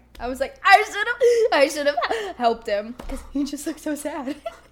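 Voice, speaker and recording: Over noticeable background noise, a woman with a high voice talks at a fairly quick pace, her pitch swinging very widely. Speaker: podcast guest. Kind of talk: casual chat. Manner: excitable.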